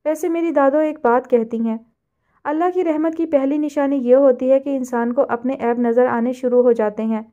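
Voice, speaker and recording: A woman's voice: sits high, steady tone, narrow, tinny audio, natural voice. A woman voicing a playful, mocking young woman friend in a storybook reading. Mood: teasing. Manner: teasing, mocking.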